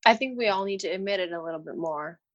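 A woman's voice: mid-range voice, fast talker, highs cut off. A woman from Romania, a guest on a podcast, talking candidly and with animation about her work and life. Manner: candid and animated, laughs at herself. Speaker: podcast guest, dental hygienist. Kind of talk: casual podcast interview chat.

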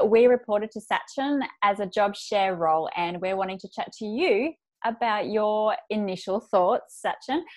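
Upbeat woman hosting a podcast. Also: medium pitch. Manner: upbeat, eager, laughs along. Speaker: podcast co-host. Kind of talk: casual interview chat.

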